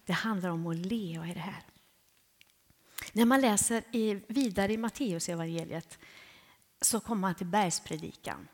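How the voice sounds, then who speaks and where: A woman preaches in a church, her voice slightly husky and airy, at a middling pitch. She weaves personal stories into the sermon and often sinks to an intimate near-whisper. A long reverb from the church hall trails behind each phrase. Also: pauses often. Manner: intimate, drops to hushed near-whispers for emphasis. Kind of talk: sermon with storytelling.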